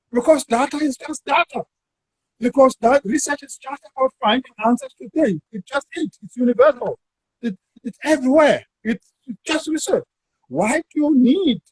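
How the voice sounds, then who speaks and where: High-voiced husky South African man. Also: darkish tone, no echo, poor audio. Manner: measured, stretches words while thinking. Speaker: university academic. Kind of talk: academic discussion.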